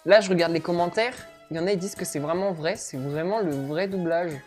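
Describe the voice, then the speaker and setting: A woman giving casual reaction commentary in an expressive, exclamatory, colloquial way, as a video host. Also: fairly low pitch, quick pace, faint music behind.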